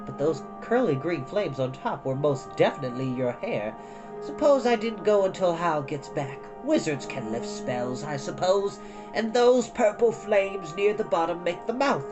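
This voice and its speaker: Man doing a little old lady from a storybook, cracked highish voice, dreamy and wary, soft music behind. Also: animated, a little slow, low-quality recording. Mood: dreamy musing. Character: stiff old woman, dreamy, plucky and wary.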